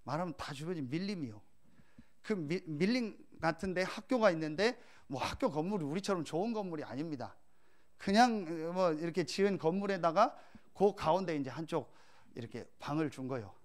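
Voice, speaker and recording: A male pastor delivering a sermon, telling stories and rising to loud, emphatic rhetorical questions. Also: fairly high pitch, lively intonation, brisk.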